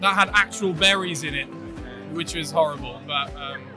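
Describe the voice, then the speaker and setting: Chatty guy, high voice, music going loud in the back. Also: moderate pace. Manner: enthusiastic, chatty. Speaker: podcast guest.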